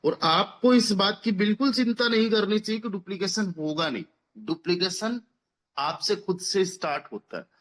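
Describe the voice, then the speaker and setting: A man in his thirties giving a motivational business pitch as a team leader, persuasive, repeating phrases for emphasis and mixing English words into his speech. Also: animated, normal speed, a bit bright. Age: 30s. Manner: mixes English words into Hindi. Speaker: network marketing team leader.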